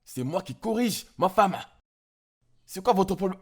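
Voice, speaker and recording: A man's voice: high-pitched, expressive, unhurried, husky, full character voice. A man dubbing a film role: a defiant, bullying husband who talks back indignantly. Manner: indignant, challenging. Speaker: husband defending his right to beat his wife. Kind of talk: French film dub.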